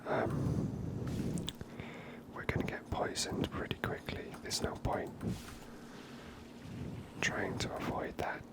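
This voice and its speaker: Slow whispering man, ASMR game commentary. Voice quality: breathy whisper. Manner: gentle, unhurried narration.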